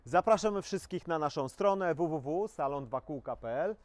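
Man in his forties pitching a dirt bike. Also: moderate pace. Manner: enumerating specs in a steady sales pitch, frequent "e" fillers. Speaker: motorcycle dealer presenting a dirt bike. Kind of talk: sales presentation to camera. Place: outdoors in front of a shop wall.

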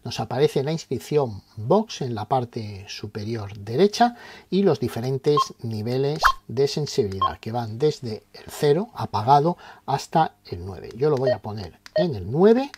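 This is step-by-step instructional narration from a very animated man with a medium pitch, talking unhurriedly over background noise. His approach is didactic: he defines terms, raises questions and then answers them.

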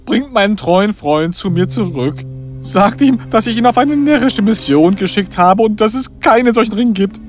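A man playing an emotional, remorseful king in an animated fairy tale, with dramatic drawn-out delivery. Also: sits high. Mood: remorseful, pleading. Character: emotional, remorseful king longing for his friend.

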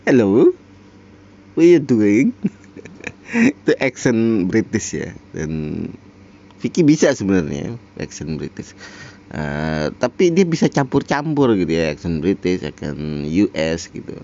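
A man's voice: sits low, very animated, a little slow, creaky, darkish tone, dull audio. A man hosting a casual reaction commentary, rambling with many fillers and frequent chuckles. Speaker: reaction video host.

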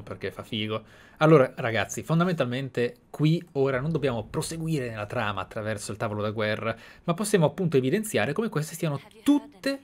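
A man with an Italian accent commentating on a video game, with theatrical delivery and reflective asides. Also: medium pitch. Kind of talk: game commentary with read-aloud in-game letters.

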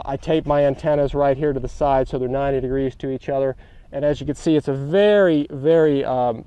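A man's voice: medium pitch, mellow, clear, resonant tone. Eager middle-aged man showing off a model plane. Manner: filler-heavy, eager, talks straight to viewers. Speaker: model aircraft reviewer and pilot. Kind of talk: product demo and flight commentary. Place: outdoors on a grassy flying field.

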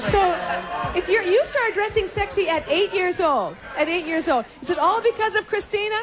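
A middle-aged woman hosting a daytime talk show, questioning guests in a brisk, pointed way and often cutting in, speaking into a handheld mic in a studio. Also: very high-pitched, expressive, over loud music. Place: TV studio with a live audience. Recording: studio audience chatter behind.

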